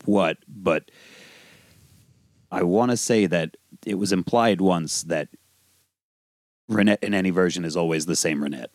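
A man co-hosting a podcast in a casual chat, his voice raspy and strained from shouting at a concert. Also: sits low, unhurried, pauses often, no room sound, studio quality. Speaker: podcast co-host. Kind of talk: casual comic book discussion.

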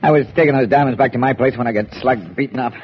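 An actor playing a beaten-up, shifty card sharp with an American accent, in 1940s radio-drama style and a stammering way of talking. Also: male voice, medium pitch, fast, long reverb tail, a little hiss or hum, close to an everyday voice. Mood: wary. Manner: nervous, stammering. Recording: dull old radio recording.

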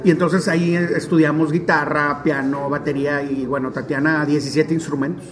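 A man in his forties from Monterrey with a northern Mexican accent, telling stories in an interview in a chatty, animated way with many fillers. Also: fairly high pitch, moderate pace, over music. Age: 40s. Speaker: stadium DJ and announcer. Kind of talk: relaxed storytelling interview.

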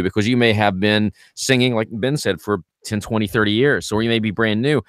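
A man's voice: clean tone, dry recording, clean studio sound. A man working as a vocal coach, chatting casually and acting out his students' complaints. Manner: animated, acts out students' complaints in a higher voice. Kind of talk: casual podcast chat.

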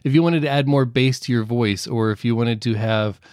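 A middle-aged man with a deep voice, explaining audio equipment as a podcast guest with halting restarts. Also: darkish tone, clean tone, dry recording, studio quality. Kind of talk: casual explanatory interview.

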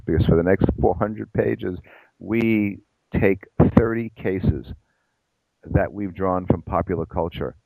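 A man's voice: sits low, warm tone, no room sound, low-quality recording. A middle-aged man, a psychologist and professor, answering interview questions in a discursive, self-deprecating way with many restarts.

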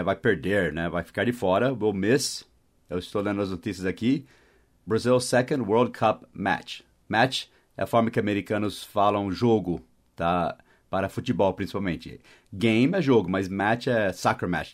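A man hosting a short podcast lesson, explaining English words in casual Portuguese, spelling them out letter by letter and often checking in with "tá?" and "né?". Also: on the low side. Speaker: English teacher and podcast host.

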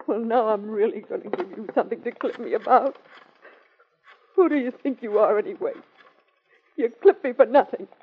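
A woman's voice: a little high, moderate pace, pauses often, a little hiss or hum, lightly acted. An actress playing a tough-talking young woman with slangy, streetwise speech, in 1940s radio acting. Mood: indignant. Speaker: anonymous telephone informant. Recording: dull old radio broadcast.

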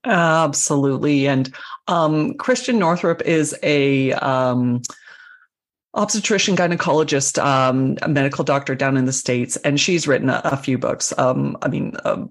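A woman's voice: rumbling low, a little slow. A woman in her forties co-hosting a casual health podcast, talking informally and often circling back over her words. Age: 40s. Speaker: podcast co-host.

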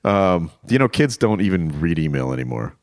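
Low-voiced man joking through show plugs. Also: sing-song, moderate pace, no room sound, clean studio sound. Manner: wry, self-mocking jokes. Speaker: podcast co-host. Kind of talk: casual chat and show plugs.

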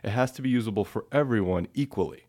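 A man's voice: lowish voice, fast, a little mellow. A man being interviewed as a researcher, explaining ideas patiently with simple everyday examples and often checking in with "right?". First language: English. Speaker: guest researcher.

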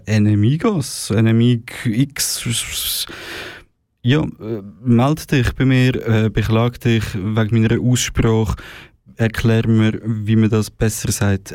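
Laid-back radio host, slow and mellow. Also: male voice, fairly low pitch, smooth, dry recording, studio quality. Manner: laid-back, halting, many filler sounds. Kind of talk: casual radio music presenting.

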